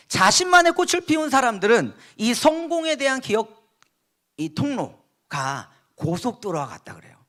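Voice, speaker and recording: Guest preacher, man in his thirties, bright high voice, swings widely, storytelling sermon with questions to the crowd. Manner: animated storytelling, asks the audience questions, laughs along. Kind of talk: lively sermon to a youth congregation. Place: church sanctuary.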